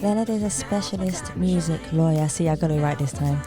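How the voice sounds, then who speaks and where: A woman's voice: low voice, brisk, over music. A woman hosting a podcast, upbeat and effusive, thanking her guest often and asking long questions. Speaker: podcast host.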